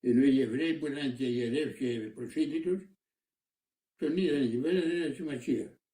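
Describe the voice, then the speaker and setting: An older man, a monastic elder, slowly retelling a parable with many repetitions in an interview, recorded in a roomy space from a distant mic. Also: medium pitch, dark tone. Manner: slow, repetitive storytelling.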